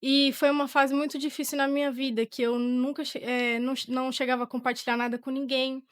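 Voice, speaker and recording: A seventeen-year-old woman with a Brazilian accent giving a personal testimony in an informal, halting way as an interview guest. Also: sits high, little pitch movement, clear, resonant tone, dry recording, studio quality. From Portugal, born to a Brazilian family. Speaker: podcast guest, young church singer.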